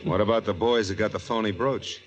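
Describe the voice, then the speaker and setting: An American actor playing a cocky, smooth-talking counterfeiter in a 1940s radio drama. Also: male voice, lowish voice, steady tone, a little fast, natural voice, low-quality recording. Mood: surprised, resigned.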